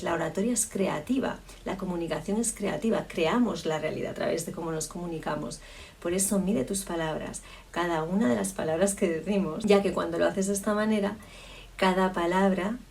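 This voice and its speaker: Creaky-voiced woman coaching speech. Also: on the low side, darkish tone, recorded from a distance. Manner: reflective, explanatory, with frequent restarts. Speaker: public speaking coach. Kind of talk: spoken lesson on communication.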